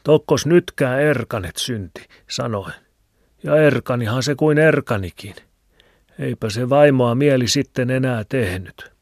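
A man's voice: mid-range voice, no echo, pitched above the performer's own voice, lightly acted. A man voicing a stubborn, grumbling old village shoemaker with a rambling, folksy way of talking, in a dry close recording. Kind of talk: audiobook reading. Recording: dry close studio sound.

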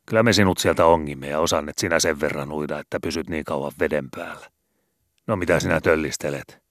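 A man voicing a gruff, bossy, boastful old male sea pilot who scolds loudly and swears in rough rural speech in a storybook reading. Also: rumbling low, no room sound, clean studio sound. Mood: gruff scolding.

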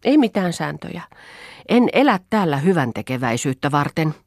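A proud, headstrong young woman from a spoken novel, read by a woman, firing off mocking, rhetorical challenges. Her pitch swings widely from line to line, and the recording is close and dry. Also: big pitch swings, vocal fry, darkish tone, no echo, heavily acted. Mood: defiant.

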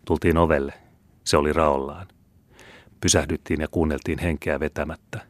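A man reading an audiobook in a measured, even storytelling manner. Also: a bass voice, dry recording. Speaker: audiobook reader. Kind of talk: audiobook narration.

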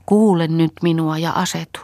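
A woman's voice: deep voice, fairly even intonation, a little mellow, no echo, pitched above the performer's own voice. A woman voicing an anxious farmhouse woman who coaxes and soothes in a half-whispered, urging voice. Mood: coaxing worry.

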